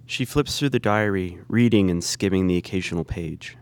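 Deep male voice, plain descriptive delivery, scripted stage-direction narration, live play reading. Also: normal speed, clean tone.

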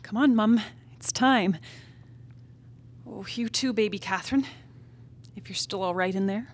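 A woman's voice: medium pitch, unhurried, lightly acted. A woman acting a restless, defiant young wife in a dramatic stage play reading, yearning and impassioned. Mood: tender, resolute. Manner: theatrical, impassioned soliloquy. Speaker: playwright reading her own play.

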